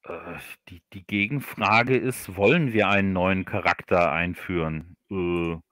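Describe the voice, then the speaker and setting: Low-voiced man, halting and dry. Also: fairly even intonation, a bit bright, dry recording. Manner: halting, repeats words as he explains. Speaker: audio drama author, stream guest. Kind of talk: casual livestream interview chat.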